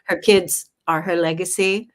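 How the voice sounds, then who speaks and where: A woman's voice: fairly low pitch, fairly even intonation, measured pace. A woman hosting a podcast interview, talking in an earnest, meandering way with many fillers. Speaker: podcast host.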